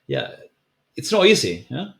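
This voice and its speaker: A man whose first language is not English, explaining a language practice method to camera in a relaxed, conversational way with frequent fillers and self-corrections. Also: fairly high pitch, measured pace, creaky. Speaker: language teacher. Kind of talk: casual explainer video, talking to camera.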